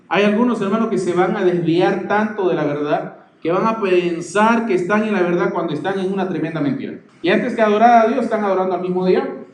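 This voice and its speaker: Recorded in a reverberant church hall with faint background ambience and a little hiss or hum, this Peruvian pastor delivers an emphatic sermon. He speaks Spanish with a Peruvian accent in a fairly high male voice, repeating words for stress and frequently asking his congregation "¿ve?"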